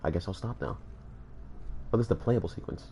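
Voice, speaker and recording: A gaming channel host with a low, dark, slightly congested voice jokes and rambles to his viewers at a quick pace while playing through a game in casual let's-play commentary. A little hiss or hum sits under the recording.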